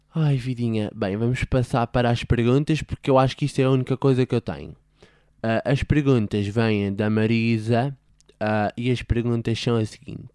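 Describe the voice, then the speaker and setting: The voice has a dark, mellow tone and fairly even intonation at a moderate pace. The sound is dry and close, with no echo. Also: man, medium pitch for a man. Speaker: podcast host. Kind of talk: casual solo monologue.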